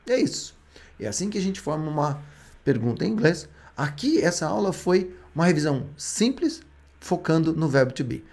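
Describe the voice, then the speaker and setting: A man's voice: on the high side, sing-song, moderate pace, vocal fry, a little mellow. A Brazilian man, a native Portuguese speaker, explaining English grammar step by step as a teacher. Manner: explains step by step, with frequent restarts.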